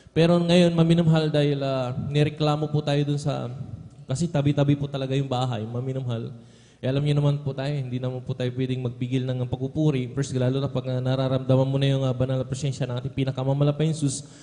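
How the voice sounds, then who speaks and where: A man's voice: medium pitch, warm tone. Earnest young Filipino man testifying in a hall. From Philippines. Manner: earnest, repeats "beloved" after every phrase. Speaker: church member giving testimony. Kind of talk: spoken testimony at a prayer service. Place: church hall. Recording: long reverb of a church hall.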